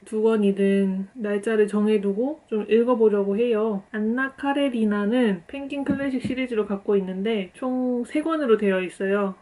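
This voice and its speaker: A young woman vlogger calmly talking through the books she is reading, in a measured, thoughtful way. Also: fairly high pitch. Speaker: book vlogger. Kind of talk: calm book talk to camera.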